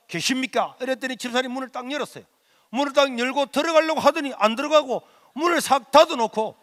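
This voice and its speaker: A middle-aged pastor tells a story from the pulpit, his raised voice ringing through a big reverberant hall. He acts out the exchanges, dropping to a near-hush and then climbing back up. It is animated sermon storytelling. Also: a little high. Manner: animated storytelling, acts out dialogue with swings from loud to hushed.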